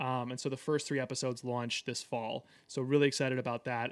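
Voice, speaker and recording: This man speaks very fast at a medium pitch. The recording is very clean, with a silent background. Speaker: podcast creator and author. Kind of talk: interview chat.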